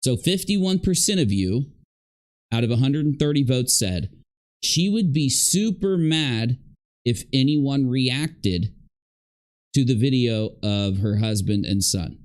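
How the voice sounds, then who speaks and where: A man's voice: mid-range voice, expressive, takes it slowly, a little mellow. A man hosting a casual reaction stream, talking straight to his audience and posing hypothetical questions. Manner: talks directly to viewers, posing hypothetical questions. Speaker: commentary livestream host.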